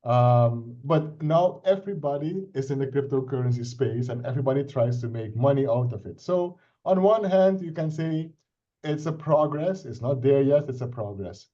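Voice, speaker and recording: A middle-aged man with a Dutch accent talks over a video call, explaining things earnestly, restarting his sentences and checking in with "right?" His voice sits at an ordinary pitch with a mellow, dark tone. The call audio sounds dull and lo-fi. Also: expressive, normal speed. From Suriname. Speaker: IT consultant presenting a crypto project. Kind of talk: casual self-introduction and explanation on a video call.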